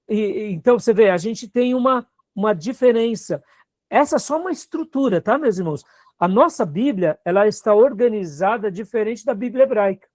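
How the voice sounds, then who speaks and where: A man's voice: high-pitched, darkish tone, dry recording, studio quality. A man with a Brazilian Portuguese accent, a pastor teaching a seminary class in a conversational way and often checking in with his students. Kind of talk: classroom Bible lecture.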